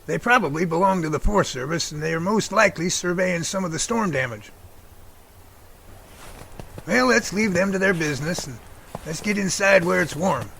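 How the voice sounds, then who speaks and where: A man's voice: high voice, expressive, moderate pace, vocal fry, long pauses, fairly bright tone, breathy edge, exaggerated voice. A man playing a genial, folksy older professor in an amateur audio drama.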